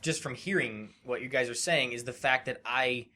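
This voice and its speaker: A man's voice: medium pitch, normal speed, pushed and bright. A man co-hosting a podcast, chatting casually about games. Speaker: podcast co-host. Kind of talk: casual gaming chat.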